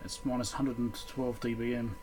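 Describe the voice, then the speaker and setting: Male repair tech, mid-pitched, halting and muttering through casual hands-on commentary, with clear background noise. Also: steady tone. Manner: muttering to himself while working, halting. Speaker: electronics repair technician presenting his own repair video.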